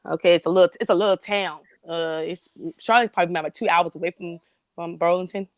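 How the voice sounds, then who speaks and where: Woman guest on a livestream, talks fast and stumbles over words, dry close sound. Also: fairly low pitch, steady tone, dry recording. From North Carolina. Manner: halting, repeats words. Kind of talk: casual chat.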